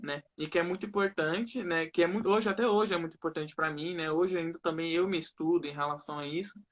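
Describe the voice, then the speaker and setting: A man's voice: fairly high pitch, fairly even intonation, quick pace, fairly bright tone, lo-fi sound. A young man with a Brazilian Northeastern accent, speaking as a guest on a live video call and ending nearly every phrase with a questioning tag. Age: young adult. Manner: tags almost every phrase with "né?". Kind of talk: personal testimony in a live interview.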